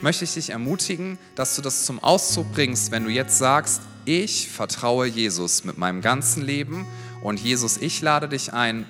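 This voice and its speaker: A man preaching a sermon and praying over the congregation, earnest and pleading, his voice rising into fervent prayer. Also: medium pitch. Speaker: pastor. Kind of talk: sermon with altar-call prayer. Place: church service in a large room. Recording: church hall reverb with soft guitar.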